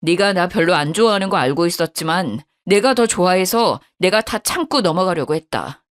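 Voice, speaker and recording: A woman's voice: lowish voice, lively intonation, a little fast, natural voice. A woman voicing an angry young husband who harshly accuses his wife, in a storytelling radio drama. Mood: bitter.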